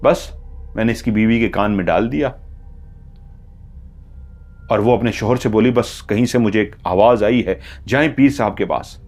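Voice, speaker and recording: A man's voice: lowish voice, normal speed, pauses often, darkish tone, close to an everyday voice. A man voicing a sly, mischievous male jinn spirit who boasts and begs in a raised voice for a storytelling horror tale. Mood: boastful. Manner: boastful, pleading when beaten.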